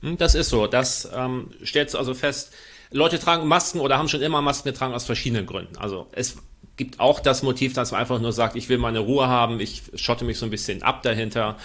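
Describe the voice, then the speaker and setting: A man's voice: medium pitch, fairly quick, fairly bright tone. A man talking as a podcast guest, explaining at length with frequent fillers and restarts. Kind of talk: casual podcast conversation.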